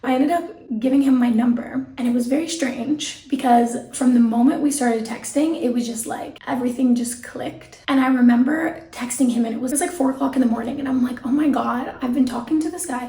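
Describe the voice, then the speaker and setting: A raspy-voiced woman in her twenties from Canada, chatting casually through a dating storytime with lots of "like". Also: sits high, a little fast, echoey room. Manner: chatty and animated, heavy use of "like". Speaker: vlogger.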